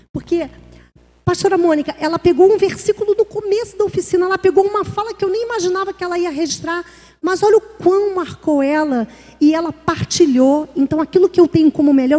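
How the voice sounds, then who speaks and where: A woman's voice: very high voice, animated, fairly quick, warm tone. A woman pastor, giving a conversational church workshop talk and acting out little everyday dialogues. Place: church hall. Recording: long reverb of a church hall.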